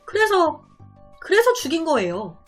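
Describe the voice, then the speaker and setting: A woman's voice: very high-pitched, huge pitch swings, unhurried, faint music behind, pitched above the performer's own voice, heavily acted. A woman voicing a brazen male killer. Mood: flat, eerie. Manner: defiant, matter-of-fact confession.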